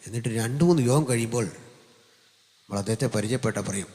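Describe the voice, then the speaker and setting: A male pastor preaching a live sermon to a seated congregation through a microphone, jumping from loud proclamations to quiet, joking asides. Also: medium pitch, a little fast. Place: large hall with a seated audience. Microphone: amplified stage microphone. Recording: long hall reverb from a live PA.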